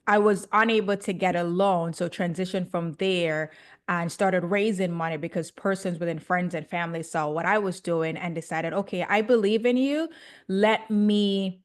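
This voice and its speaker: A young woman from Jamaica with a Jamaican accent, a chatty podcast guest who laughs easily. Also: lowish voice. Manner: chatty, laughs often, excitable. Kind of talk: casual interview.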